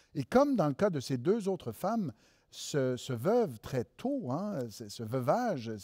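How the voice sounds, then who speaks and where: A man's fairly high-pitched, dark, mellow voice, very wide pitch swings, a fairly slow pace and a quiet background. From Quebec. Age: 50s. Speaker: historian, interview host; interview host. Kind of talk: interview. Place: stage. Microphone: headset.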